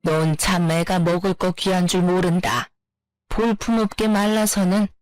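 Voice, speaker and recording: A woman's voice: fairly low pitch, fairly even intonation, a little slow, no room sound, voice pushed down, close to an everyday voice. A woman voicing a bossy, scheming older mother-in-law who scolds and belittles, in a storytelling narration. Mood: scolding.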